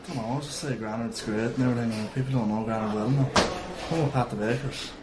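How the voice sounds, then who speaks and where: An Irish man giving casual shout-outs from away from the microphone. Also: mid-range voice, steady tone, fast talker. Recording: distant off-mic voice, noisy venue.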